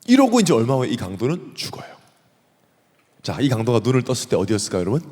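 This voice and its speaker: Animated male pastor preaching. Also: medium pitch, fast talker, long reverb tail. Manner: animated, rhetorical questions to the congregation. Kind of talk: sermon.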